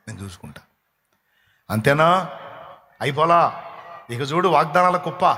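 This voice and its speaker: High-voiced preaching man in a reverberant hall. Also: a bit bright. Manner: preaching with dramatic acted quotes and sung hymn lines. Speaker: pastor. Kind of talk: sermon. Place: church hall.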